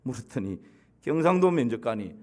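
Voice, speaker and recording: A man's voice: mid-range voice, sing-song, a little fast, dark tone. A male pastor delivering a sermon, repeating emphatic declarations and blessing the congregation.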